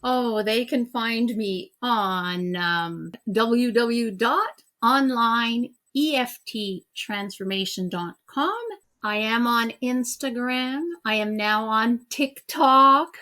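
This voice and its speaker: A woman's voice: a little high, takes it slowly, bright, forceful tone. A woman whose first language is French, talking earnestly as a guest in a conversational interview. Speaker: interview guest, EFT practitioner.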